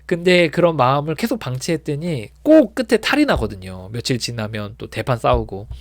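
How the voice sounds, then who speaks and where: A man's voice: mid-range voice, very animated, brisk, dry recording, studio quality. A man counselling on addiction recovery, talking informally and rambling with many fillers and restarts. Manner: acts out shouting people when retelling. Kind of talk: informal talk to viewers.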